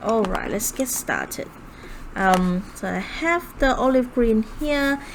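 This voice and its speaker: A woman with a non-native accent talks at a fairly slow pace. Her pitch is high, and there is noticeable background noise. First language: not English. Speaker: colouring artist and YouTuber. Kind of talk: tutorial voiceover. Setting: recorded voiceover. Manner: hesitant, with fillers.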